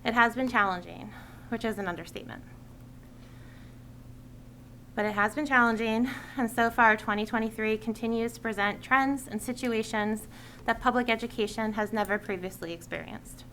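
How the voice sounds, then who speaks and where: A woman's voice: a little high, a little fast, bright, forceful tone, a little hiss or hum, rough recording. Woman giving an earnest meeting speech. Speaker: school committee chair. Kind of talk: prepared farewell speech at a public meeting.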